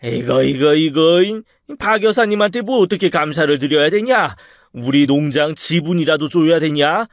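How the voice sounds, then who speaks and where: A man's voice: medium pitch, a little slow, no echo, studio quality, close to an everyday voice. A man voicing a boisterous older male farm boss who drawls in a countrified way, in a storybook reading. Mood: overjoyed.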